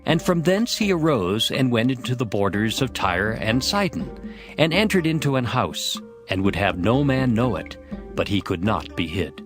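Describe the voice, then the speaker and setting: A man narrating a dramatized scripture reading in a measured, formal manner. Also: medium pitch, sing-song. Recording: music under the voice.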